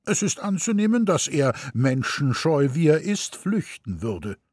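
A man reading aloud plays a pompous, pedantic gentleman who lectures in precise standard German. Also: fairly high pitch, very animated, measured pace, breathy edge, dry recording, clean studio sound, pitched above the performer's own voice, exaggerated voice. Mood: lecturing. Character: pedantic know-it-all gentleman with pince-nez.

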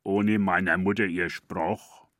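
A man, a dialect poet reading a personal radio essay in a measured, deliberate way. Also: sits low, fairly even intonation, fairly bright tone, no echo, studio quality. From Franconia, Germany. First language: East Franconian dialect.

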